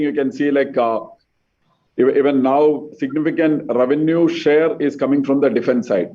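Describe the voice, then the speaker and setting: An executive speaks from some distance from the microphone. The call-line audio is dull and muffled. His answers are measured and halting, with many repeated words. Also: mid-range voice, mellow. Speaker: company executive. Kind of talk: earnings conference call answers. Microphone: conference call line.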